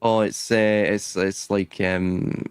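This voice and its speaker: A man speaking with an Edinburgh Scottish accent in a relaxed stream chat. His voice sits a bit low and sounds dry and close, with no room around it. He talks quickly and restarts phrases as he goes. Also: clean tone, no room sound. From Scotland. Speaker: stream host. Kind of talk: casual chat.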